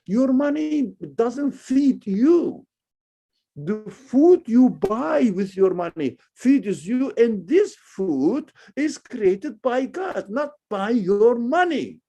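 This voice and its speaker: Man w as preaching in english, slow and mellow, pitch jumping all over. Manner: animated, rhetorical questions, non-native phrasing. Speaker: Islamic teacher. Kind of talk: religious lecture.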